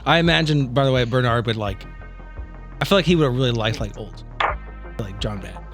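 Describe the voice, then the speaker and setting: Male tabletop player, medium pitch, informal and meandering, faint music bed. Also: expressive, a little fast. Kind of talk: casual table chat.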